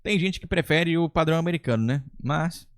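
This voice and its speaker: A man who teaches English, talking through a ranking in a relaxed, chatty way with occasional slang. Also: fairly high pitch, fairly quick, clear, resonant tone, dry recording, studio quality. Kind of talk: casual tier-list commentary.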